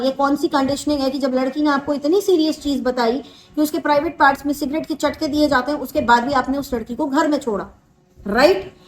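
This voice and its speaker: A young woman hosts a reaction video and talks through the case in earnest commentary. Her voice sits high, and she mixes Hindi with English phrases as she goes. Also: a bit bright, low-quality recording. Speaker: host of a reaction channel.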